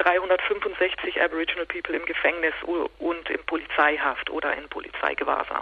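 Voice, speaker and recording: A woman talks while noticeable noise runs in the background. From Netherlands. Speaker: activist. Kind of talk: interview. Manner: hesitant with fillers.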